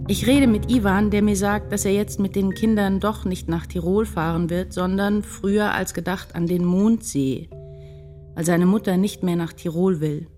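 A woman's voice: medium pitch, fairly even intonation, normal speed, dark tone, natural voice. Woman actor for literary radio play: anxious, lovelorn writer narrating confessionally, intense and tender, faint music underneath. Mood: agitated narrating. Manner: intense, confessional first-person storytelling. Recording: music behind the voice.

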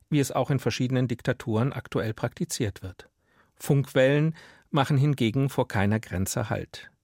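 A male radio host moderates a studio discussion from prepared text. His voice sits mid-range with a noticeable creak, and his phrasing is formal and measured. The sound is dry and close. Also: medium pitch, a little mellow, no echo. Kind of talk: scripted studio interview moderation.

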